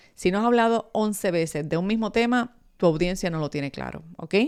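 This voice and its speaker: A woman's animated tone at medium pitch and a moderate pace, with ordinary pitch variation, in a very clean recording with a silent background. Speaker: podcast host and podcasting coach. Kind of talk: podcast tutorial monologue.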